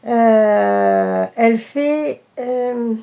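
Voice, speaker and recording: A woman's voice: a little high, extremely slow, vocal fry, warm tone. A woman showing her cross-stitch work in a casual video chat, talking hesitantly with many fillers and self-corrections. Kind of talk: casual show-and-tell chat.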